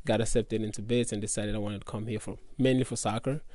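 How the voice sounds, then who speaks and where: A young man talks through his answers in an earnest, easygoing way, leaning on fillers. His tone is dark and mellow. The recording is dry and close. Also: fairly low pitch, steady tone, fast, no echo. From Congo. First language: French. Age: young adult. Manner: earnest, loose phrasing with many fillers. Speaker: college athlete guest. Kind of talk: casual interview answers.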